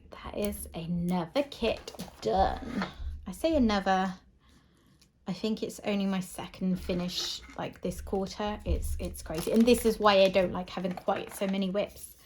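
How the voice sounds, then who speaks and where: At home with her craft project, a middle-aged British channel host chats in a rambling way and chuckles often. Her voice is medium-pitched with a fairly bright tone, and the audio carries a little hiss or hum.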